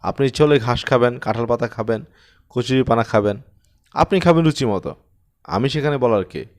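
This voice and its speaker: A man's voice: medium pitch, moderate pace, lightly acted. Man acting a stern, exasperated school headmaster. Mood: sarcastic, grave. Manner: cold, curt, scolding.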